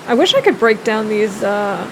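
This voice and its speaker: A woman's voice: medium pitch, big pitch swings, normal speed, background noise. A woman from the United States streaming a survival game, chatting casually and answering her chat by name with frequent laughs. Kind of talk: casual gameplay chat with chat readers.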